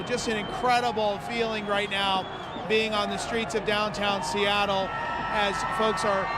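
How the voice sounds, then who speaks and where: A man reporting live from a parade on a city street, gushing and projecting. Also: high-pitched. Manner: gushing, projecting over the crowd. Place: outdoors on a packed city street. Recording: loud crowd and street noise.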